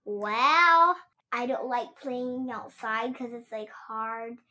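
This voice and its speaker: Young girl, bright and unhurried, shy halting answers to an interviewer. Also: on the high side. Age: young child. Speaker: missionary kid interviewee. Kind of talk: child answering interview questions.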